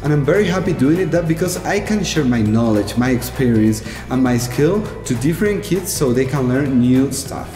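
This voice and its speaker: A young man from Chile talking casually to the camera as a volunteer teacher, friendly and animated. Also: medium pitch, normal speed, hardly any pauses. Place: large bright indoor hall. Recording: roomy hall with music.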